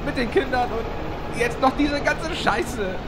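A man's voice: very high voice, takes it slowly, very noisy. An actor playing a despairing middle-aged man at the end of his tether in a German radio play. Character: desperate suicidal man of about fifty.

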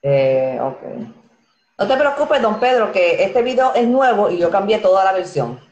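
A woman's voice: medium pitch, big pitch swings, measured pace, a little mellow, muffled recording. A Dominican woman in her thirties with a Dominican Spanish accent, hosting a casual live stream, reading viewer comments in a friendly, chatty way. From Dominican Republic. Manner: chatty, friendly, reads names aloud and laughs easily. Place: small room indoors. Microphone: earphone headset mic. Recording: echoey room.

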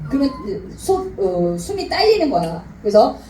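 High-voiced, playful woman singing teacher. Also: moderate pace, vocal fry, a crowd in the background. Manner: lively, joking, sings phrases to demonstrate. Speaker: singing class instructor. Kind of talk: teaching a senior singing class. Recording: roomy hall with backing music.

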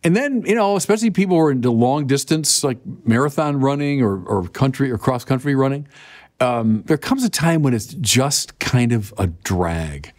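An older man in his sixties preaching a sermon in a conversational, animated way, often appealing to listeners directly, recorded with a lapel mic in a dim studio. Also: mid-range voice, normal speed. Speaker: bishop.

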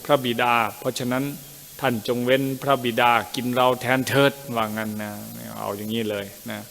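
A male Dharma teacher reads scripture aloud, sounding out the Pali words haltingly, correcting himself and adding chatty asides. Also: mid-range voice, fairly even intonation, vocal fry, in a large hall, slight background noise. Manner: chatty asides ending in gentle particles. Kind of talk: reading scripture aloud with commentary.

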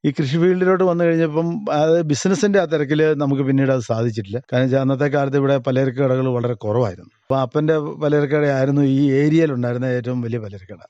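Man talking fast in a dark, muffled voice. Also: mid-range voice, no echo. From Kerala, India. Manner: plain-spoken, searches for words with pauses. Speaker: farmer being interviewed. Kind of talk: casual conversational interview. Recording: dull lo-fi radio recording.

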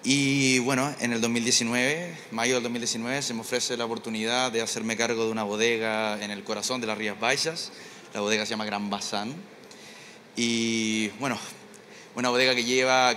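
Hesitant Chilean man, bright voice. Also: lowish voice, slight background noise. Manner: hesitant, repeats words, many fillers. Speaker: winemaker guest. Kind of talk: live stage interview. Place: stage in a large indoor trade fair hall. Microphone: handheld microphone.

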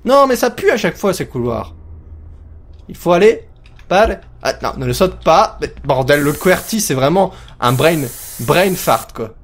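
A man's voice: fairly high pitch, normal speed. Jokey man narrating a horror game. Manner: jokey, excitable, talks to himself. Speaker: let's play host.

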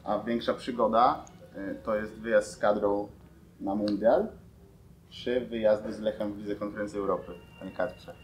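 Joking man with a lowish voice. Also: steady tone, normal speed, slight background noise. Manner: joking, teasing questions. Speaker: interviewer. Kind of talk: casual sports interview. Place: lounge in a large building.

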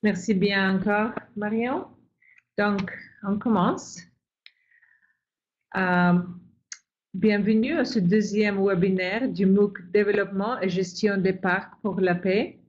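A woman's voice: mid-range voice, steady tone, takes it slowly, pauses often. A woman who is not a native speaker presents a webinar, reading carefully with occasional restarts. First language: not French. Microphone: video call. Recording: lo-fi webinar audio.

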